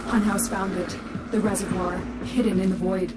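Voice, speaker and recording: An actress playing a solemn, protective mission commander in a video game, earnest and authoritative. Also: female voice, mid-range voice, level tone, normal speed, close to an everyday voice. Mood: grave, protective. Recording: loud game noise behind voice.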